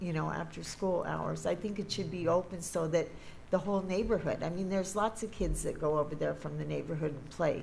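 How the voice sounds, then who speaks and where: A woman speaks at a medium pitch with vocal fry and ordinary pitch variation. Audible room echo hangs around her voice. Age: old. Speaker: community member speaking at public comment. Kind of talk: public comment at school board meeting.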